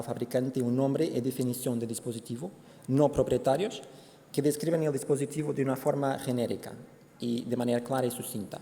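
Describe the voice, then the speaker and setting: Hombre portugués, voz grave y rasposa. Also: male voice, mid-range voice, dark tone. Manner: halting, many fillers and restarts. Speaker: conference speaker. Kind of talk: conference presentation. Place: conference hall. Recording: hall reverb, faint background noise.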